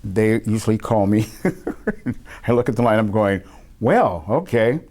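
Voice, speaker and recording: A man with a fairly low voice talks casually as an interview guest. He rambles a little and laughs often while telling stories. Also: little pitch movement, unhurried, darkish tone.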